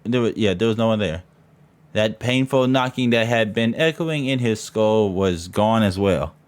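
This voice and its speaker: A man's voice: lowish voice, moderate pace. A man reading a ghost story aloud from a visual novel as a streamer, dramatic but breaking into casual, profane asides and stumbling over the text. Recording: loud music behind voice. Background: game music.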